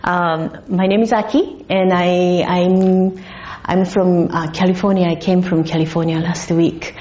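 A woman's voice: fairly low pitch, fairly even intonation, measured pace, darkish tone, dull audio. A woman from Japan, giving a chatty conference talk with many restarts and questions to the audience in a darkened lecture hall. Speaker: guest lecturer.

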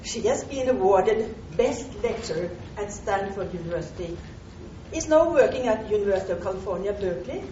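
A woman's voice: medium pitch, expressive, brisk, mellow, slight background noise. Woman introducing a speaker from afar. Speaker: event host introducing the speaker. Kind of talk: formal introduction. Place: lecture hall. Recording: roomy, distant, muffled hall recording.

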